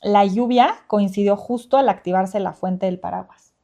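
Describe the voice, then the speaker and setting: A woman's voice: mid-range voice, normal speed, gravelly, mellow. Chatty young Mexican woman podcaster. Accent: Mexican Spanish. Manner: chatty, laughs often, many fillers. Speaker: podcast co-host. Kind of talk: casual chat.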